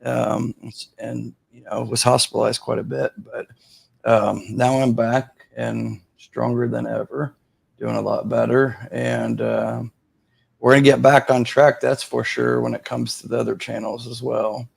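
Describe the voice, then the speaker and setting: A man's voice: medium pitch, level tone, unhurried, vocal fry, husky, dry recording. A man hosting a livestream in a laid-back, rambling way, leaning on "you know" as he talks. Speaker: livestream host. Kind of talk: casual livestream chat.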